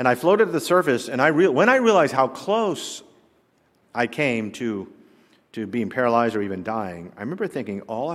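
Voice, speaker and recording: A man speaks at a fairly quick pace with a medium pitch and very wide pitch swings, on a very clean recording with a silent background. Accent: American. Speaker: pastor. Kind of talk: sermon. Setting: church.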